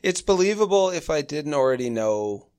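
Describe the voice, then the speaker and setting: A man co-hosting a comedy podcast, answering with wry, deadpan remarks. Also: fairly high pitch, normal speed. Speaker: podcast co-host. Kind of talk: comedic banter.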